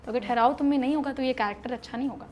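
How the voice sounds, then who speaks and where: Young pakistani woman, high voice, lively storyteller acting out lines, faint room noise. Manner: animated storyteller acting out quoted dialogue. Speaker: actress guest. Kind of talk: casual interview storytelling. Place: interview set.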